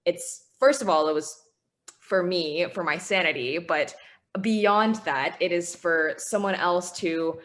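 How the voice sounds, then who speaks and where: A woman's voice: lowish voice, slow pace, a bit bright. A woman in her twenties, whose first language is Chinese, speaking earnestly and reflectively as an interview guest. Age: 20s. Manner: earnest, reflective, with small laughs. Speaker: guest author. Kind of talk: interview conversation.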